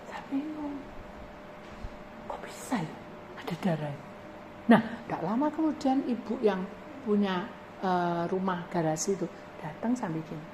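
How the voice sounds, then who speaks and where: A woman pastor preaches a testimony, animatedly acting out each exchange. Her voice sits at an ordinary middle pitch. Steady background noise runs under the recording. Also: measured pace, pauses often. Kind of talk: sermon testimony. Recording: noisy live recording.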